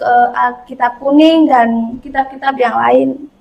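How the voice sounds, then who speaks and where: A woman's fairly slow delivery. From Riau, Indonesia. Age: 20s. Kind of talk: testimony. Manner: halting.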